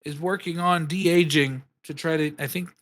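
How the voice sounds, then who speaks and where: A man's voice: fairly high pitch, steady tone, normal speed, fairly bright tone. A man co-hosting a podcast, rambling through casual, profane chat with many false starts. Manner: rambling, profane, restarts a lot. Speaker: podcast co-host.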